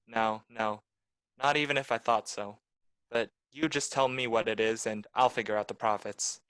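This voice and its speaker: A man's voice: lowish voice, steady tone, normal speed, a bit bright, clean tone, no echo, natural voice, low-quality recording. A man acting a cynical, wisecracking tough private detective in a film noir radio play, with clipped, nonchalant talk. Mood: wry, guarded. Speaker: actor, lead and narrator.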